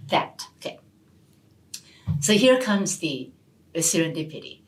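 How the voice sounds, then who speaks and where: A middle-aged woman professor, an English speaker, telling stories in an interview, animated and often restarting her words. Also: sits low, takes it slowly, low-quality recording. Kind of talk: storytelling interview answers. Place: university hall.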